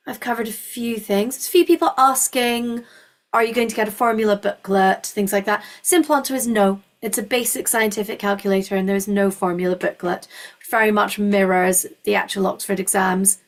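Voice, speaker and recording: This Scottish webinar host for a university speaks at a moderate pace in a mid-range voice. She keeps her explanations informal and reassures and encourages her audience.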